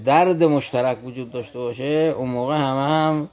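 A man in a conversation, explaining poetry in a measured, formal way and reciting verse lines slowly. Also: mid-range voice, fairly even intonation, a little mellow. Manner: polite formal address. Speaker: guest explaining classical poetry.

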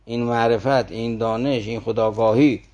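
A man's voice: medium pitch, steady tone, darkish tone. Man explaining verse, rhetorical questions. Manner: addresses listeners directly, rhetorical questions. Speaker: teacher of classical poetry. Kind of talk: didactic talk explaining verse.

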